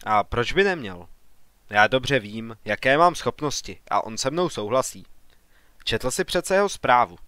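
A man's voice: medium pitch, lively intonation, fairly bright tone, no echo, natural voice. A man voicing an ambitious young man who argues earnestly and with growing irritation in an audiobook. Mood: earnest, heated. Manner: earnest, argumentative.

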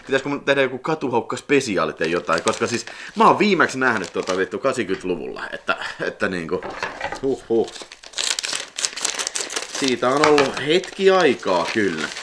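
A man in his forties hosting a casual unboxing vlog, rambling with nostalgia and breaking into excited squealing exclamations. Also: mid-range voice, background noise. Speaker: video collector channel host.

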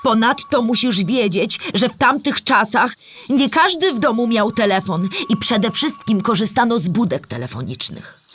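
A woman's voice: a little high, animated, normal speed, fairly bright tone, slight background noise. Patient female history storyteller. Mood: patient, informative. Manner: clear, patient, explanatory storytelling. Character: Historyjka, older female storyteller who remembers wartime. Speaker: narrator explaining history to children. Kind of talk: scripted educational audio drama narration.

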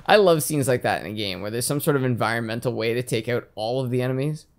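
Man, gravelly voice, lively pitch, jokey tangents, sidekick commentary. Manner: chatty, jokey, trivia tangents. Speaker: co-host. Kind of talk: casual let's-play banter.

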